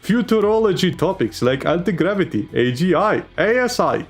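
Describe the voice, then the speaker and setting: A man's voice: high-pitched, big pitch swings, normal speed, faint music behind, voice pushed up. A man voicing a pushy male spam promoter with a put-on Indian accent, selling in a singsong, overexcited way. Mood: hyped hard sell. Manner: singsong, overexcited hard sell. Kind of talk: comic reading of spam.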